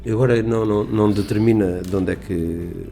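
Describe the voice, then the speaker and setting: A middle-aged businessman being interviewed on local radio. He talks quickly in a low, dark, mellow voice, rambling and emphatic. Faint music sits under the studio sound. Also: steady tone, creaky. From Portugal. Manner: rambling, emphatic, with restarts and quoted dialogue. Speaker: business owner guest.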